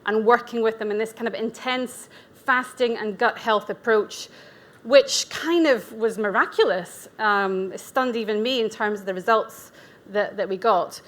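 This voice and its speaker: Speaking at a measured pace, this Scottish woman in her forties has a fairly high, fairly bright voice. She's presenting at a conference in an event venue as a nutrition practitioner, candid and chatty, with asides and jokes at her own expense.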